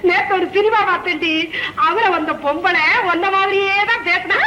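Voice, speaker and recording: A woman's voice: extremely high pitch, normal speed, highs cut off. An actress playing a teasing young woman in an old film, bantering in a mocking way. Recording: echoey, noisy old film track.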